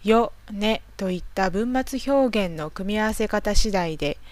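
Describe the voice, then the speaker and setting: Slow, calm woman explaining a lesson. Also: mid-range voice, no room sound. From Tohoku, Japan. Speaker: language teacher. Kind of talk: scripted explanatory narration.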